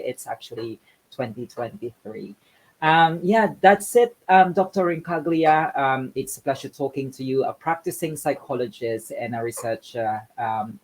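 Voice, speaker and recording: An interview host who talks in a friendly way, asks quick questions and laughs along with the guest. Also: medium pitch, low-quality recording. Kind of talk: interview hosting.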